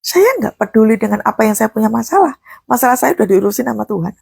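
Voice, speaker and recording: Gravelly-voiced woman preaching a sermon. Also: a little high, animated, fast talker, a little mellow, dry recording. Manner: conversational, folksy, shifts between teaching and fervent prayer. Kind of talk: sermon with prayer.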